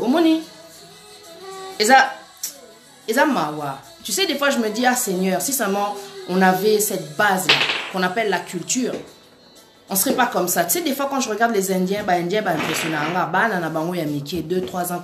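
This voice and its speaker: A woman giving an earnest, urgent preaching-style talk, speaking straight to her listeners as sisters and brothers. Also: mid-range voice. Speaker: Christian speaker. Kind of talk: exhortative preaching-style monologue. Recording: echoey room with faint music. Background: faint background music.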